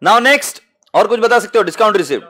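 Indian guy teaching accounts live, high voice, calls everyone beta, hindi english mix. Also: lively intonation, fairly quick, bright, forceful tone. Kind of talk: live classroom lecture.

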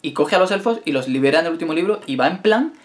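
A man's voice: fairly high pitch, animated, quick pace. A young man in his twenties from Spain, speaking with a Spain Spanish accent, reads out viewers' questions and answers them in a chatty, wry, self-mocking way. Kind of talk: casual Q&A vlog.

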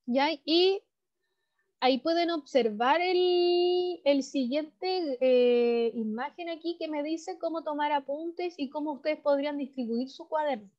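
A woman's voice: high voice, measured pace. A young woman with a Chilean accent teaching an online class, explaining steadily and checking in with frequent tag questions. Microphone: video call. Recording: dull lo-fi video call audio.

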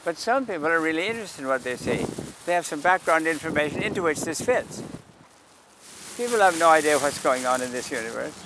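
A man's voice: on the high side, expressive, brisk, noisy background. An older man talks in a slightly raised voice as he explains things to passersby, with dry humor. He is outdoors in a park beside a parking lot, and faint street sounds sit under his voice. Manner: calls out invitations loudly to passersby, dry humor. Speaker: sidewalk astronomer. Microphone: camera mic at a few feet.

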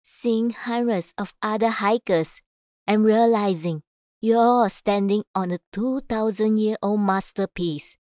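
A woman reading scripted voice-over in a measured, clearly enunciated way. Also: medium pitch, warm tone, dry recording, clean studio sound. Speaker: voice actor. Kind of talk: voice-over demo reading of commercials, narration and announcements.

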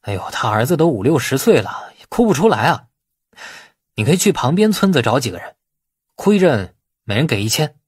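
A man voicing a shrewd, bossy man who gives orders in a brisk, casual, persuasive way in an audiobook. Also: medium pitch, sing-song, slightly rough, no echo, clean studio sound.

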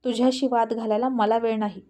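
A woman's voice: a little high, little pitch movement, brisk, mellow, lightly acted. A woman voicing a curt, stern male police officer in a spoken story, with terse, clipped lines.

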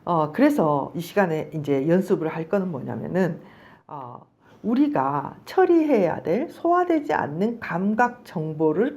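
A middle-aged woman teaching a psychology counseling lecture, her rather low voice rising and falling with animated expression. She explains patiently, asks her listeners rhetorical questions, and slips into acted snippets of dialogue to make her points. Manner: expressive, acts out little dialogues in different voices. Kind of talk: lecture to camera.

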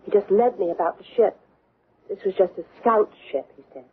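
A woman's voice: medium pitch, animated, fairly quick, close to an everyday voice. An actress playing a bewildered young woman in an old-time radio drama, recounting an alien abduction in a hesitant, wondering way. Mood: wondering, uneasy. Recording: tinny, band-limited, noisy radio recording.

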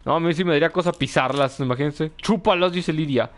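A man's voice: a little high, fast talker, a little hiss or hum. A young man with a Mexican accent, casually commentating a video game, reading chat messages aloud and laughing often. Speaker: gameplay streamer. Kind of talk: casual live gameplay commentary.

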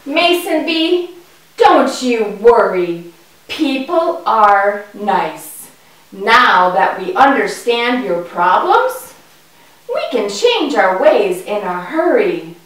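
A woman voicing an excitable, friendly young boy in a children's puppet show, with exaggerated, wide-eyed delivery. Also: mid-range voice, takes it slowly. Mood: eager. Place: indoor room with puppet stage. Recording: echoey room, distant microphone.

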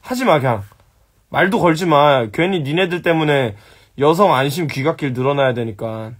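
A man's voice: fairly high pitch, normal speed, slightly rough. A young man hosting a casual live stream, answering viewer questions bluntly, teasing and swearing at them. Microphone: phone.

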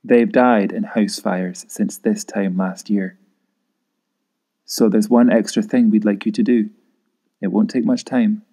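A man giving a grave, measured voice-over in the sober style of a public safety advert. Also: on the low side, fairly even intonation, mellow.

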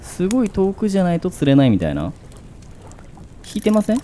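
A man's voice: high voice, wildly swooping pitch, fairly quick, mellow, a little hiss or hum. A man giving casual horror game commentary, thinking aloud and asking himself questions. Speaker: gaming commentator.

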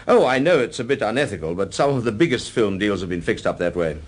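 An actor playing a chatty, wry film director in a radio drama, with an effusive, chummy manner. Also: male voice, lowish voice, expressive, fast talker.

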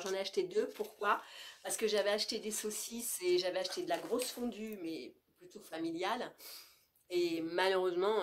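Speaking to a camera close in front of her, this vlogger, a Frenchwoman in her fifties, talks casually about her groceries from a bedroom with leafy wallpaper. Her medium-pitched voice sounds a bit stuffy with a cold, with a little hiss or hum on the recording. She's chatty and playful, occasionally cooing baby talk to her cat.

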